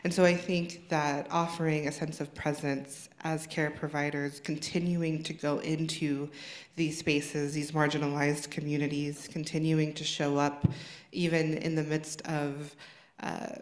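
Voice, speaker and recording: A woman panelist and birth worker speaking calmly and reflectively, her sentences trailing off softly. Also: sits low, a little slow. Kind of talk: panel discussion. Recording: echoey room.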